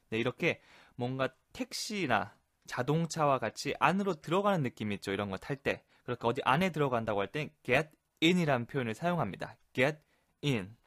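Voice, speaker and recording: A man teaching English expressions in a relaxed explanatory lesson, repeating phrases slowly for practice. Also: medium pitch, no room sound, studio quality. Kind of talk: Korean-language English lesson explaining sitcom lines.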